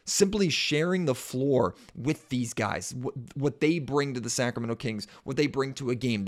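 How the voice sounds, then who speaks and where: Hoarse, congested male sports podcast host, mid-pitched, casual and self-deprecating. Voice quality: raspy. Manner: self-mocking, chatty, restarts sentences.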